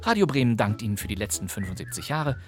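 A male radio host giving a lively, friendly scripted announcement. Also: lowish voice, quick pace. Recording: announcement over clear music.

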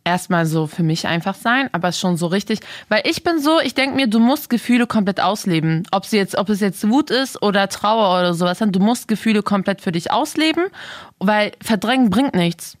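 A young woman co-hosting a podcast in casual chat, reflective and musing, stretching some phrases slowly as she thinks aloud. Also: medium pitch, animated, dry recording, studio quality. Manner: reflective, drawn-out, self-described overthinker. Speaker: podcast co-host.

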